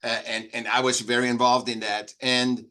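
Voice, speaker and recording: A middle-aged man from Austria with an Austrian German accent, speaking as an interview guest in a halting, animated way with frequent restarts. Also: mid-range voice. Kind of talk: conversational interview.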